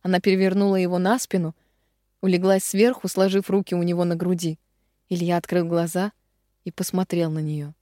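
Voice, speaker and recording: A woman narrating a romance audiobook dramatically, slowing on the heavy phrases. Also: lowish voice, level tone, dark tone, no echo, studio quality.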